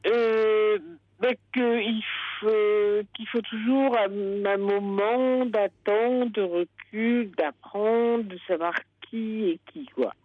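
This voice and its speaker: A woman calling in to a radio show on a cordless home phone, speaking hesitantly and haltingly through a muffled line. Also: medium pitch, steady tone, no room sound. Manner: hesitant, halting, with many pauses. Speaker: caller. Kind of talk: late-night radio call-in confession. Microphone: cordless home phone handset.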